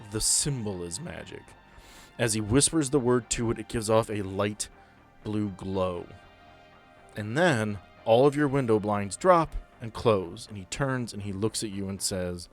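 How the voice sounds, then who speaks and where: A man with a low-pitched voice narrates a tabletop roleplaying game as its game master, slipping into casual chat. Music plays faintly behind him.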